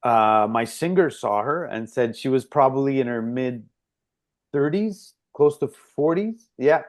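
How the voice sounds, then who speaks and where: A man co-hosting a casual podcast over a video call, telling animated, profane stories about a party he worked. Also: medium pitch, unhurried. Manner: animated storyteller, swears freely. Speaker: podcast co-host.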